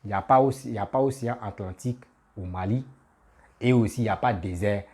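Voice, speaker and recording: A man's voice: lowish voice, fast talker, darkish tone, husky. A man who has a cold, giving a casual, insistent political rant that scolds his listeners. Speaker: political commentator.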